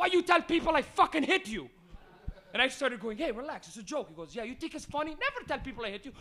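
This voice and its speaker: A man talks very fast in a raised, projected voice, his pitch extremely high and his intonation lively, with big swings in loudness. Noticeable background noise runs underneath. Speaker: stand-up comedian. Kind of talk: stand-up. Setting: stage with audience.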